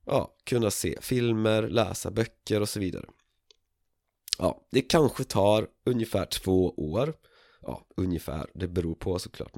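A man with a fairly low voice hosts his podcast in a loose, casual monologue. He keeps a relaxed tone, with frequent chuckles and fillers between thoughts. The sound is dry and close. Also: dry recording. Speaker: podcast host.

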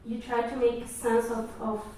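A woman's voice: fairly high pitch, little pitch movement, a little slow, mellow, slight background noise. A woman from Tunisia speaking as a panelist, thoughtful and reflective. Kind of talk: panel discussion. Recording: echoey hall, distant mic.

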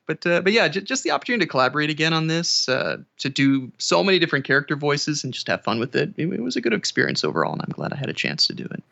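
A man's voice: on the high side, big pitch swings, rapid-fire, vocal fry, few pauses, bright, forceful tone, dull audio. A man chatting casually as a podcast guest, talking about his work as a narrator in a hesitant way with restarted phrases. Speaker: audiobook narrator and voice actor.

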